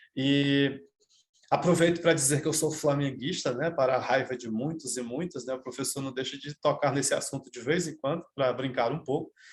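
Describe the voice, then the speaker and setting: The speaker has a strong Maranhão accent and a somewhat breathy voice. The pace is fairly quick and the intonation fairly even. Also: man, fairly high pitch for a man. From Maranhão, Brazil. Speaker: cybersecurity lecturer. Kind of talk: lecture.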